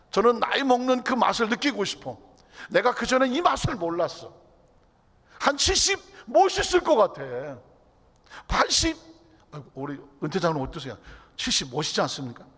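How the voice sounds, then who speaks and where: Animated, gravelly-voiced pastor in a church hall. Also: male voice, sits high. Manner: swings between loud emphatic exclaiming and hushed near-whispers; asks the congregation rhetorical questions. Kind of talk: Friday night worship sermon. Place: large church sanctuary.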